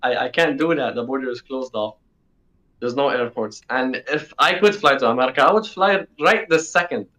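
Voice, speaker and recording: A man's voice: mid-range voice, moderate pace, a bit bright. A sixteen-year-old male interview guest from the United Arab Emirates, talking casually and repeating himself for emphasis, over dull call audio. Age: teens, sixteen.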